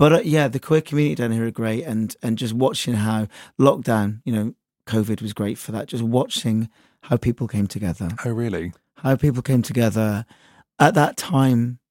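A man speaks at a moderate pace with a Suffolk accent, his pitch medium and its variation ordinary. The recording is very clean with a silent background, and the sound is dry and close with no echo. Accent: faint Suffolk, often taken for West Country. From Suffolk, England. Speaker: singer-songwriter. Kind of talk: interview conversation. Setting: studio.

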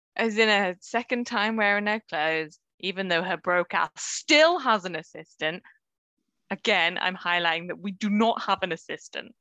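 Speaking with a British accent, a woman at medium pitch keeps a moderate pace and ordinary pitch variation. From Britain. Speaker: podcast co-host. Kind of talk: casual chat.

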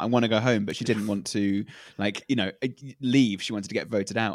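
Very fast speech from a man with a British accent, in a very clean recording with a silent background. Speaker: podcast co-host. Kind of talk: casual chat.

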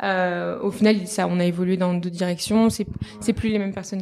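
A woman's dark, mellow voice in a monotone, flat delivery at a moderate pace. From southern France. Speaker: product designer. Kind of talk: interview conversation. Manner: halting, many fillers and repetitions.

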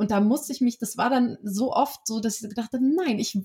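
Fairly quick, fairly high-pitched female speech against noticeable background noise. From western Germany, Aachen. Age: 30s. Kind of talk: casual chat.

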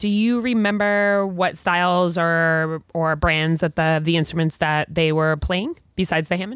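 Here a woman talks at a fairly slow pace, her pitch medium, in an unremarkable speaking voice. The recording is very clean, with a silent background. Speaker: podcast host. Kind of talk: casual interview.

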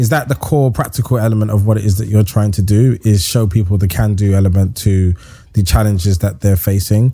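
With a British accent, a man speaks at a fairly quick pace in a dark, mellow, somewhat breathy tone, fairly low in pitch with ordinary pitch variation and very even loudness. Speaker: podcast host. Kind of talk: casual chat. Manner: halting.

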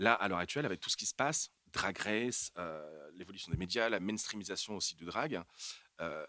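The man's voice has a bright, sharp tone and a fairly low pitch. His intonation is lively, and his pace is moderate. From southern France, Castres. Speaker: drag queen performer. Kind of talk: casual interview. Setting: small venue stage on a barge.

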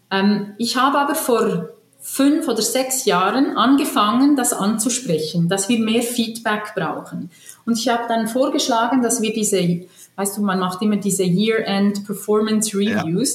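A woman at fairly high pitch with ordinary pitch variation and a moderate pace, over noticeable background noise. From German-speaking Switzerland. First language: Italian and French (speaking German). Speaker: finance executive. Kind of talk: interview.

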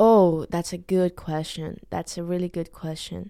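A woman with a Colombian accent speaks at a moderate pace in a dark, mellow tone, recorded very cleanly against a silent background. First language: Spanish. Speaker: film student and director. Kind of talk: casual interview chat.

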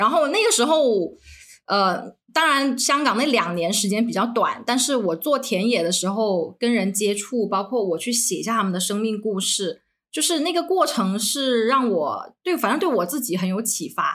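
Her fairly high-pitched voice swings very widely in pitch as this woman speaks. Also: moderate pace. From southern China, Hakka background. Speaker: gender studies PhD student and activist. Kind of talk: interview conversation.

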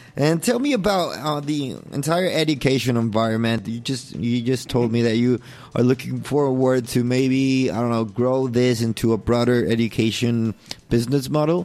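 In a Spanish accent, a man talks at a moderate pace with a medium pitch and ordinary pitch variation. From Mexico. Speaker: podcast host. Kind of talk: interview. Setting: video call. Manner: halting.

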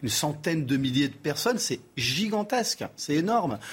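A man speaks at a moderate pace with lively intonation and a somewhat breathy voice. The recording is very clean, with a silent background. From Brazil, then France from age 10. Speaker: politician. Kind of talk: TV panel debate.

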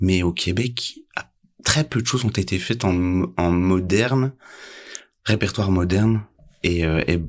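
Very deep and low in pitch, a man speaks at a fairly slow pace with very even loudness, ordinary pitch variation and long, frequent pauses. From France. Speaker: violist, musician. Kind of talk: casual interview chat.

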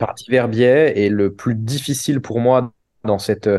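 A man's ordinary speaking voice at medium pitch, with ordinary pitch variation and a fairly slow pace, against a quiet background. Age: 30s. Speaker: tech company founder. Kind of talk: interview testimony.

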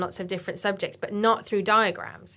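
Racing at a very fast pace, a woman with an English accent speaks at a medium pitch. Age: 30s. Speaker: writer and filmmaker on consent education. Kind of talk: podcast interview.

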